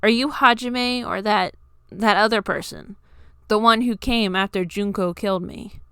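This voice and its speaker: A gentle but direct teenage gamer girl in an audio story, voiced by a woman reader. She is soft-spoken and clear, recorded very dry. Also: medium pitch, fairly even intonation, measured pace, dry recording. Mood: earnest, probing.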